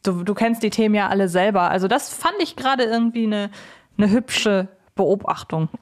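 A woman's voice: medium pitch, moderate pace. A woman hosting a podcast, talking with her guest in a conversational interview style. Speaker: podcast host.

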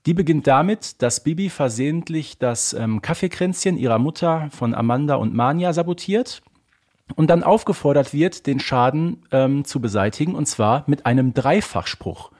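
A man's voice: on the high side, expressive, moderate pace, a little mellow. Emphatic man debating on a podcast. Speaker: podcast co-host. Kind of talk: casual, opinionated podcast discussion.

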